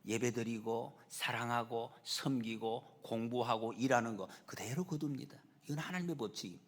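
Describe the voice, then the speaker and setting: A male pastor preaching a sermon, lively and expressive, at times acting out a quoted figure's cries. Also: mid-range voice, moderate pace. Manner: animated preaching, acts out a quoted figure's shouts. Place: church sanctuary. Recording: long church hall reverb.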